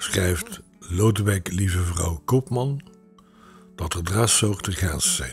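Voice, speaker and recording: A man with a Ghent accent speaks at a very slow pace in a very deep, low pitch with ordinary pitch variation. Music plays in the background. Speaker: dialect teacher. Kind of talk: language lesson podcast.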